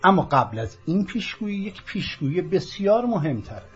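Man, Persian accent, political host monologue, emphatic declamatory delivery, deliberate phrasing, dull recording, music underneath. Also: high voice, very animated, slightly rough. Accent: Persian (Iranian). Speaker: host of a political talk program.

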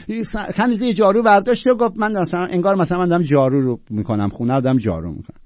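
A man slowly reciting classical verse, then explaining it in quick, casual talk with joking asides. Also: high-pitched, lively intonation, no room sound, dull audio. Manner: slow, louder recitation of verses alternating with quick colloquial explanation; jokey, informal asides. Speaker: poetry explainer.

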